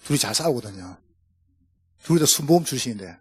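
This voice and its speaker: Animated Gyeongsang-accented pastor, husky voice. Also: male voice, medium pitch, fast, no room sound. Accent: Gyeongsang Korean. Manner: storytelling, jokey, animated. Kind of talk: humorous sermon to pastors. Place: church.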